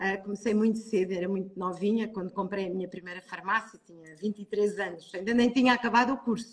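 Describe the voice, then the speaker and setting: A woman speaks at a medium pitch with fairly even intonation and a somewhat breathy quality. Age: 50s. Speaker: pharmacist. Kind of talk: interview.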